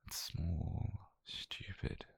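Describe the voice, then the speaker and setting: A British man playing an obsessive, possessive mafia boyfriend, calm and dangerous, in a slow, controlled, breathy half-whisper for an intimate ASMR roleplay. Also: no room sound. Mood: possessive tenderness. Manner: slow, controlled, menacingly tender murmur. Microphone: close microphone, dry.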